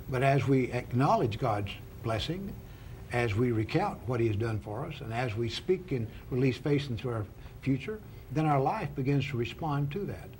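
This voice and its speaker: A man hosting a Christian television talk show, speaking in a deliberate, sermon-like way with frequent "uh" fillers. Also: mid-range voice, darkish tone, slight background noise. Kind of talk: preachy opening then interview.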